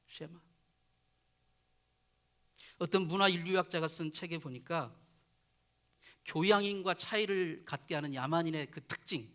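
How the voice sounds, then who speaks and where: A male pastor delivers an earnest sermon, his voice sitting high and sounding bright and forward. He swells on key words, then lets each phrase sink quietly at its end. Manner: earnest preaching, voice dropping soft at phrase ends. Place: church chapel.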